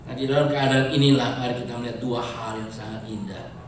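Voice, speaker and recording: A male pastor preaching a sermon, telling stories and swinging between quiet asides and shouted points. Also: mid-range voice, steady tone, a little fast. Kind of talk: sermon with anecdotes. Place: large echoing church hall. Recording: echoey church hall, distant mic, faint noise.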